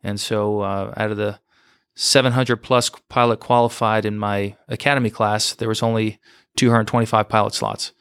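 Interview guest, man in his forties from New York, smooth, flat delivery, filler-heavy and unassuming. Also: lowish voice, normal speed, no echo, clean studio sound. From United States, New York. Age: 40s. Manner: steady, modest storytelling with frequent fillers. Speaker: guest, former fighter pilot. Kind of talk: casual podcast interview.

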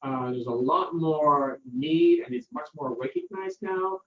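His voice sits on the high side, a little slow, with vocal fry and pitch that swoops wildly, plus a little hiss or hum. He's a middle-aged Danish parasitology researcher with a Danish accent, chatting through an anecdote with frequent fillers and performed quotes. The audio is roomy, distant and muffled, with faint ambience.

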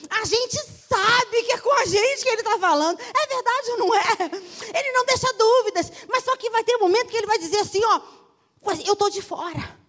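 Middle-aged Brazilian woman pastor, very high pitch, emphatic and repetitive sermon delivery. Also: brisk. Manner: emphatic preaching, repeats phrases, swings from loud to soft.

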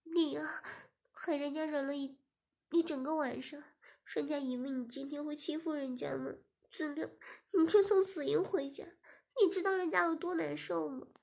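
A woman's voice: high voice, fairly even intonation, moderate pace, vocal fry, a little mellow, voice pushed up. A woman voicing a pouting, clingy young wife in an audio story, with a whiny, pleading manner.

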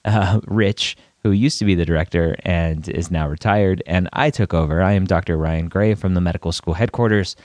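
Male podcast host, deep and nasal with a head cold, measured explainer, dry studio-close sound. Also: darkish tone, no echo. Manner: measured, explanatory, with small restarts. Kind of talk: solo podcast talk.

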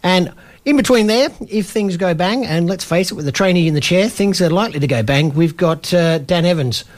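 A man hosts a community radio football show, his voice sitting somewhat high. He rambles through the lineup with fillers and restarts, poking fun at himself. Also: expressive, fairly quick. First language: English. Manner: rambling, self-deprecating, many fillers and restarts. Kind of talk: casual community radio chat.

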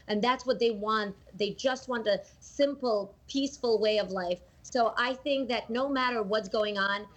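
A woman whose first language is Russian, speaking earnestly in an interview. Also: a little high. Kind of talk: emotional interview speech.

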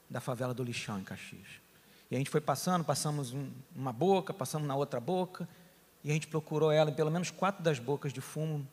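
A pastor telling a story to his congregation, animated, going from loud bursts to hushed tones. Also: on the high side. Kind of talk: sermon storytelling. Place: church. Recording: long hall reverb.

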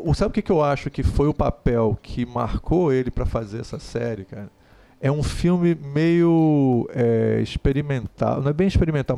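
A man co-hosts a casual conversation, talking in a rambling, animated way that is full of fillers and restarts. His voice has a gravelly edge to it. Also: medium pitch. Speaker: podcast co-host. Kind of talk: casual chat.

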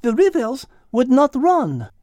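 A man voicing a brilliant, gentle female cat with a French accent, patiently explaining in a children's animal story. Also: very high-pitched, huge pitch swings, slow pace, no room sound, studio quality, pitched above the performer's own voice, exaggerated voice. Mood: patient, teaching.

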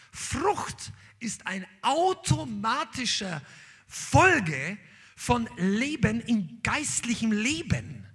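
A man preaching a sermon as pastor, animated and emphatic, with sudden loud peaks. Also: very high-pitched, breathy edge.

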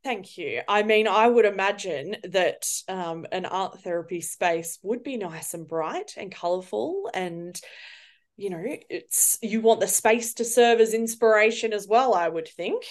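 A woman's voice: mid-range voice, animated, measured pace. A woman with an Australian accent hosting a therapy podcast, bubbly and laughing often. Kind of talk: scripted intro then casual chat. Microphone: video call.

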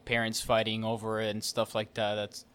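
Bright, clear-voiced man in his thirties. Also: on the low side, normal speed. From Mexico. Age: 30s. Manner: relaxed, plainspoken, repeats words when starting. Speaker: guest, real estate entrepreneur. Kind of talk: casual interview.

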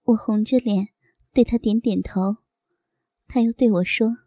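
A woman reading a first-person story aloud in a soft, intimate, unhurried way. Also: on the high side, fairly even intonation, dry recording, studio quality.

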